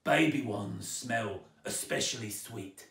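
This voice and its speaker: A man's voice: mid-range voice, slow, fairly bright tone. A man voicing a sinister, grubby rat catcher from a storybook, creepily polite and sneering, in a roomy recording. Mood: sneering menace. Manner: sneering, oily, menacing. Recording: roomy echo, distant microphone.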